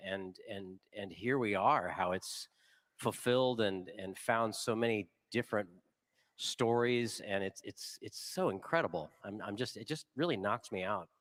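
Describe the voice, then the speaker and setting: A man with a lowish voice speaks haltingly on a live panel, searching for his words. His voice rings through a reverberant convention hall. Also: fairly bright tone. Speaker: voice actor panelist.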